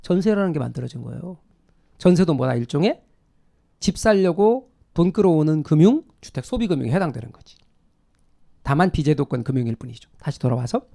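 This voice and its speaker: Brisk, high-pitched male lecturer. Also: creaky, dark tone. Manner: asks students rhetorical questions and answers them himself; conversational, repeats key terms. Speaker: lecturer in real estate exam course. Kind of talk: explanatory classroom lecture.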